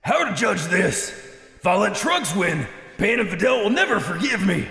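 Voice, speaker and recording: A man voicing a boastful but flustered middle-aged martial arts champion, blustering and dithering in a husky, creaky voice. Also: sits high, sing-song, moderate pace, sharp tone, echoey room, long reverb tail, heavily acted.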